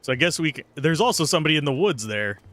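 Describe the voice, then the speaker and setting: Chatty, slightly raspy male streamer. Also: a little high, animated, fast talker, fairly bright tone, dry recording. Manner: chatty, jokey, reacts aloud. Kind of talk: casual gameplay commentary.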